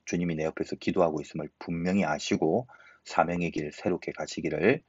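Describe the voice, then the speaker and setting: Deep husky-voiced man preaching. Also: fairly even intonation, a little fast, dry recording, muffled recording. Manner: earnest, preaching with rhetorical questions to listeners. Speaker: pastor. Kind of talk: sermon.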